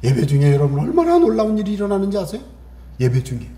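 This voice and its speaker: A middle-aged male pastor preaches with a high voice that swings widely in pitch, with a warm, mellow tone. He keeps asking the congregation questions and plays out little scenes in other voices. The sound rings in an echoey church hall. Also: quick pace. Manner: animated preaching, acts out family voices and asks the congregation questions. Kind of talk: sermon.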